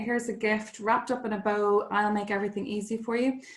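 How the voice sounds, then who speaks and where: A woman talks with a fairly high pitch. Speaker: sales training coach. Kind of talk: online coaching session. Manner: animated.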